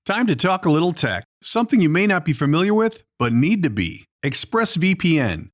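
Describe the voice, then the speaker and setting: A man's voice: on the high side, a bit bright, no room sound, studio quality. An American man hosting a podcast in a casual, conversational style. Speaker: podcast host. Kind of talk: casual interview chat and ad reads.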